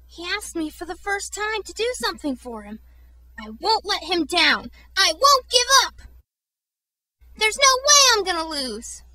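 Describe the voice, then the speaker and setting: A woman plays a plucky young fox boy from a cartoon video game. The voice is high and bright, boyish and earnest. He sounds like a clever little kid, with lively pitch. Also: measured pace, no echo, full character voice, poor audio. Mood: determined. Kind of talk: video game character audition demo.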